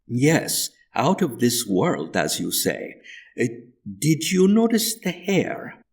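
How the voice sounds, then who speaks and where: A man voicing a slender, enigmatic young man who speaks slowly and softly with a vague foreign accent. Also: on the high side, wildly swooping pitch, breathy edge, far from the mic, voice pushed up, heavily acted. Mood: hushed, enigmatic.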